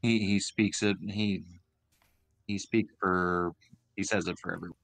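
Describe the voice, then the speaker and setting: A man talks casually at a tabletop game, thinking aloud about his character's actions. His voice sits fairly low. The sound is dry, with no room on it. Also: fairly even intonation, a little slow, vocal fry, a bit bright, dry recording.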